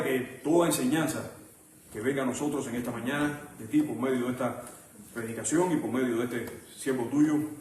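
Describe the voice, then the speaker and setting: A man preaching a sermon with a Puerto Rican accent, measured, pausing often and restarting phrases. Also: mid-range voice, a little mellow, slight background noise. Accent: Puerto Rican Spanish. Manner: measured, with frequent pauses and restarts. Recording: echoey hall, mic at a distance.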